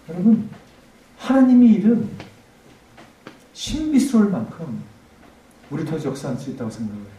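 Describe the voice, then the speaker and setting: A man preaching a revival sermon as pastor, impassioned, swinging between emphatic peaks and hushed tones. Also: a little high. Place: church sanctuary. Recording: echoey church hall, mic at a distance, faint noise.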